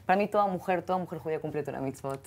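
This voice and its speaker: A woman's voice: low-pitched, racing. Heartfelt Argentine woman telling stories. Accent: Argentine Spanish. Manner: warm and expressive, many repeated words and Hebrew terms. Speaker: interview guest. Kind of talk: heartfelt conversational interview.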